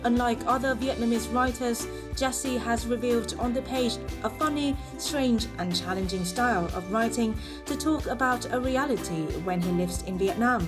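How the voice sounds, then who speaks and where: A woman reading a scripted documentary voice-over in an even, measured way. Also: a little high. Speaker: narrator. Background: music bed.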